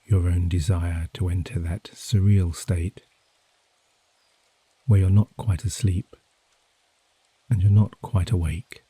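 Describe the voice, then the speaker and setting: A soft-spoken man guiding a sleep hypnosis session in a hushed, soothing, measured way with gently drawn-out phrases. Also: sits low, level tone, slightly rough, dry recording. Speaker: hypnosis and meditation guide. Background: gentle rain sounds.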